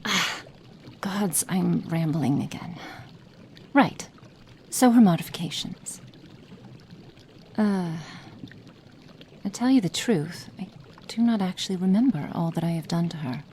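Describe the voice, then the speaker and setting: A woman voicing a cold, impatient female witch experimenter in an ASMR roleplay, speaking softly and partly in whispers, haughty and condescending. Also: lowish voice, measured pace, pauses often, a little hiss or hum, close to an everyday voice. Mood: musing. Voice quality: soft, partly whispered delivery.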